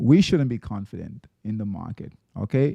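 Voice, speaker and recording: A man speaks at a fairly slow pace with lively intonation. His tone is dark and mellow, and the sound is dry and close with no echo. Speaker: trading coach. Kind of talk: live trading show. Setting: live stream. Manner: hesitant.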